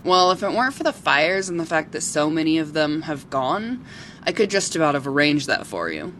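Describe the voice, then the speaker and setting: A woman playing a kindly local who befriends forest creatures in an audio drama, talking in a gentle, earnest, storytelling way. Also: sits low, big pitch swings, moderate pace, a little hiss or hum. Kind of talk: amateur audio drama acting.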